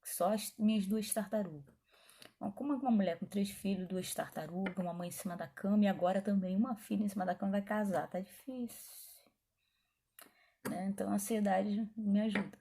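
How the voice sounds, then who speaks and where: A middle-aged woman pastor, telling her testimony in a chatty, animated way, acting out the dialogue as she goes. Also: medium pitch, brisk, vocal fry, breathy edge. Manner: animated, chatty, frequent asides and quoted dialogue. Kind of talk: testimony storytelling.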